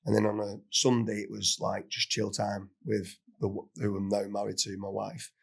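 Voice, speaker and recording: A man hosting a podcast, telling a funny story in a casual, animated way with plenty of swearing and laughter. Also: fairly low pitch, normal speed, gravelly, breathy edge. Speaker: podcast host.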